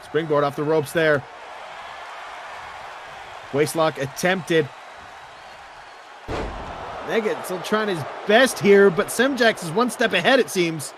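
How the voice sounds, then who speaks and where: Man, high-pitched voice, wrestling commentator, dramatic play-by-play, noisy background. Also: slow pace, pauses often. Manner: excitable, dramatic exclamations.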